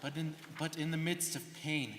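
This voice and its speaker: A young man performing a scripted dramatic reading as an earnest immigrant alumnus, emphatic and deliberate. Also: a little high, fairly even intonation, a bit bright, natural voice. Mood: heartfelt. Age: young adult. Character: earnest male immigrant alumnus finding healing. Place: large hall. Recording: echoey reverberant hall.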